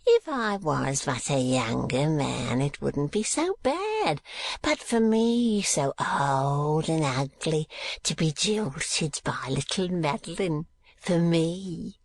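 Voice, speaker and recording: A man's voice: sing-song, slow, creaky, dry recording, heavily acted. A man voicing a spiteful, lecherous old miser in an audiobook, with a cracked, sneering voice. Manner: sneering, wheedling, shrill outbursts. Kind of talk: dramatised audiobook reading.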